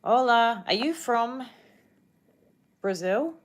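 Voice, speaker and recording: A young woman with a New Zealand accent chats casually with livestream viewers, rambling and often searching for words. Her voice is a little high and expressive, and she takes it slowly.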